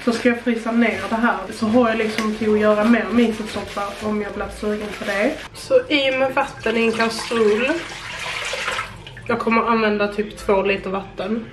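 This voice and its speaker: A woman's voice: a little high, fairly even intonation. A young woman in her twenties chatting casually as she cooks, explaining each step with plenty of fillers. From Sweden. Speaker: vlogger. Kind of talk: casual cooking vlog. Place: small home kitchen indoors. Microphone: camera on the counter a little way off. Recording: echoey kitchen, camera mic from a distance, audible noise.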